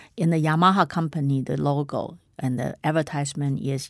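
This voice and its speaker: Recorded very cleanly against a silent background, the speaker has a Chinese accent. The pace is moderate, with ordinary pitch variation. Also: woman. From Taiwan. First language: Mandarin Chinese. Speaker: pianist and chamber music director. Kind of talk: interview conversation.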